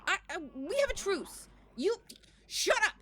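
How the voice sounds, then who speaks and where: Woman acting flustered necromancer heroine, high voice, lively swoops, urgent, excitable, audio drama. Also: a little slow, full character voice. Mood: distressed. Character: flustered, impulsive young female necromancer heroine.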